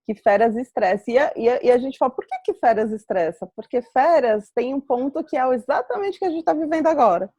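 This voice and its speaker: A woman's voice: high-pitched, animated, fast talker, few pauses, mellow, slightly rough, dry recording. A Brazilian woman hosting a live webinar, explaining in an earnest, reflective way with personal examples over a video call. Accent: Brazilian Portuguese. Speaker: webinar host.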